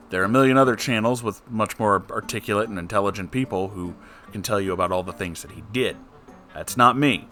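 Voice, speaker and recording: Over plucked guitar music, a man with a lowish, pushed, bright voice hosts a show reading bad stories. He rambles casually to viewers, theatrical and wry, poking fun at himself and swearing now and then.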